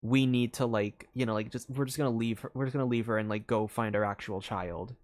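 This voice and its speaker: A man's voice: medium pitch, steady tone, brisk. A man streaming a story game, thinking aloud in a rambling way, with many fillers and restarts. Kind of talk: casual live game commentary.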